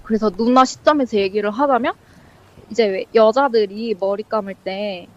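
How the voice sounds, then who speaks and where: A woman's voice: medium pitch, moderate pace, a little mellow. A woman casually telling a ghost story as a guest, rambling and full of fillers, acting out the lines she quotes. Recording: dull lo-fi sound.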